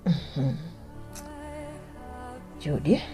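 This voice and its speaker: A weary, confused young Malawian woman in a radio drama. Her tone is mellow and her speech halting and unsure, with faint music behind it. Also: sits low, animated, full character voice. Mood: troubled, hesitant. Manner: hesitant, halting. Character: confused, weary young woman struggling to remember the night before. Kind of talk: vernacular radio drama acting.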